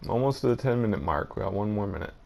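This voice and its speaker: A man's voice: on the low side, expressive, very fast, creaky, darkish tone. A man giving casual, unscripted game commentary, thinking aloud in a hesitant way. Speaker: gaming video host.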